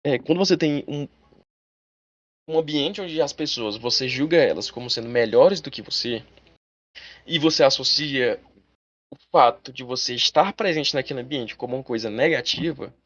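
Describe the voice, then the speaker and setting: A male teacher giving a live online class, talking fast and chatty, speaking straight to his students. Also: mid-range voice, dry recording, dull audio.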